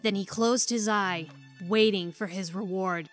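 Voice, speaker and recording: A woman's voice: mid-range voice, a little slow, soft background music. A woman narrating a scripted story as the narrator of an audio drama.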